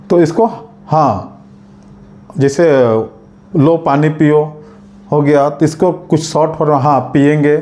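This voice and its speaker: A man teaching a spoken language lesson, saying each phrase slowly and carefully and repeating it for learners. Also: a little high, mellow.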